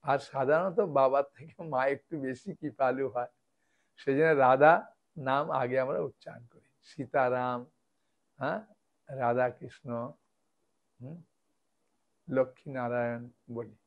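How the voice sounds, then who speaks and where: A man's voice: medium pitch, steady tone, measured pace, pauses often, highs cut off. A man, a monk preacher, giving a devotional lecture and explaining step by step, often checking with his listeners.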